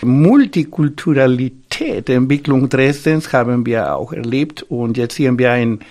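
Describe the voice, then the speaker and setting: A man's voice: mid-range voice, lively intonation, measured pace, darkish tone. A man from Mexico, Spanish his first language, a radio studio guest speaking German with small slips and a joking touch.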